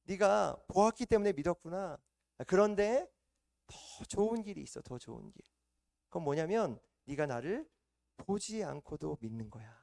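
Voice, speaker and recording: A male preacher voicing a gentle, kindly male teacher who speaks with soft, warm reassurance. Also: high-pitched, fairly quick, creaky, pauses often.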